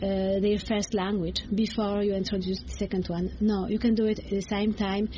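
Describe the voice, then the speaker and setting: A woman's voice: mid-range voice, little pitch movement, normal speed. A native Polish woman with a Polish accent, explaining things as an interview guest and hesitantly searching for words. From Poland. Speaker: interview guest, bilingual education coach. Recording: dull sound with faint background noise.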